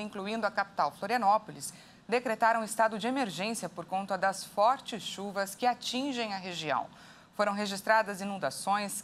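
A woman's voice: medium pitch, a bit bright, a little hiss or hum. A Brazilian woman, around her thirties, presenting live television news as an anchor. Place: TV studio with large windows. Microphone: lapel.

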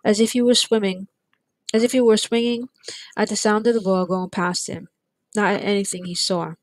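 A woman reading a chapter of a novel aloud, in steady, plain storytelling. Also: medium pitch, moderate pace, no echo. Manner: steady, plain storytelling with light character voices. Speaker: audiobook reader. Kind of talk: read-aloud narration.

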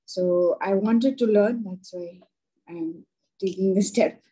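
A woman from Darjeeling introducing herself as a student on a video call, switching quickly between languages. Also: mid-range voice, mellow, husky, low-quality recording. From Darjeeling, India. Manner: rapid, mixing languages. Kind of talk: self-introduction.

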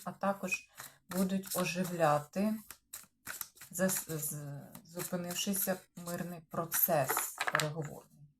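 A Ukrainian woman with a lowish voice reads tarot cards against the day's news, musing aloud and checking in with her audience. The recording carries steady background noise. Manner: musing, talks to cards and viewers, trails off. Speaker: tarot reader. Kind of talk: tarot reading on current news. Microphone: clip-on or desk microphone.

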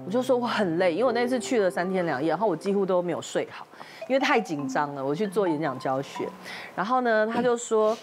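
A woman in her fifties tells a story on a studio talk show in a quick, lively voice that rises and falls a great deal. She acts out the quoted lines with real animation. Music plays softly behind her. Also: mid-range voice. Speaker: guest.

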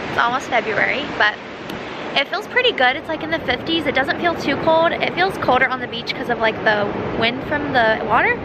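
A woman's voice: sits high, animated, a little fast. A woman in her early twenties chatting casually to a handheld camera in a bubbly, gushing way. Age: early 20s. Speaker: vlogger. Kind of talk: casual vlog chat to camera. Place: mostly outdoors on a beach and streets. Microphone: handheld camera at arm's length. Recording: noisy outdoor camera audio, wind and traffic.

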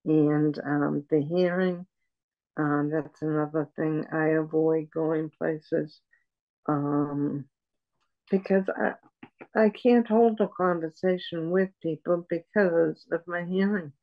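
Older lady on a webcam, slow, flat, gravelly, muffled lo-fi sound. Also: low-pitched. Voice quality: soft voice. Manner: slow, halting, with many pauses and fillers. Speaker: patient. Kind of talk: personal account in an interview. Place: room at home. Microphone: video call webcam.

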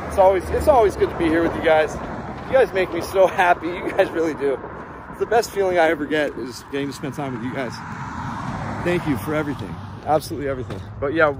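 A man casually vlogging outdoors beside a creek, chatting warmly to his viewers as he walks. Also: on the high side. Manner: chatty, affectionate toward viewers. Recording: loud outdoor noise and traffic.

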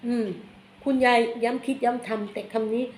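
A woman giving a casual tarot reading, chatty and blunt, softening her phrases with polite particles. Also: fairly high pitch, fairly even intonation, moderate pace. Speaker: tarot reader. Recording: echoey room, faint background noise.

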